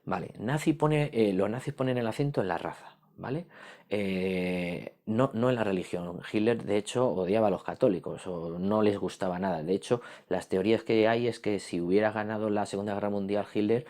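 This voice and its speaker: A man's voice: on the low side, normal speed, a little mellow. A middle-aged man, giving a casual history lesson, asking himself questions and checking in with "¿vale?" as he goes. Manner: rhetorical questions with frequent "¿vale?". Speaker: history teacher.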